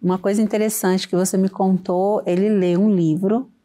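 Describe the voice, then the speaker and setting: A woman hosts an interview, asking long questions that end in tag questions. Her voice sits at a middle pitch with a dark, mellow tone. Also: little pitch movement, normal speed. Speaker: interview host. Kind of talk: conversational interview.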